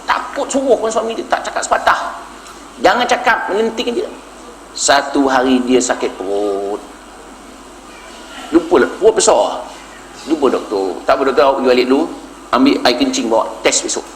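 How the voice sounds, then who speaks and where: A male Malaysian Malay preacher delivers a sermon full of jokes, leaping up in pitch for the punchlines and chuckling along. His voice rings through a large, echoey hall. A faint ambient noise sits underneath. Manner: animated storytelling, jumps high in pitch for punchlines, laughs at own jokes. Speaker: Islamic preacher. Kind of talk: sermon lecture with humorous stories.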